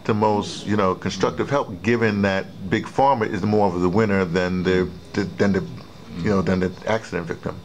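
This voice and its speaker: A man's voice: low voice, steady tone, moderate pace, few pauses. A man interviewing a guest, asking rambling questions full of hesitations and fillers. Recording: noisy room ambience.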